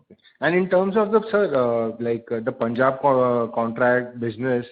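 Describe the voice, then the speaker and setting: A man, politely and haltingly putting questions as an investor on an earnings call. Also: mid-range voice. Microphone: phone. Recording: narrowband phone line.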